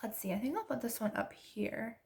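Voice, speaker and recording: A woman's voice: fairly high pitch, expressive, fairly quick, gravelly. A young woman with a stuffy nose from allergies, chatting casually and gushing as she decorates her planner. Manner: chatty, gushing, restarts often. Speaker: planner vlogger.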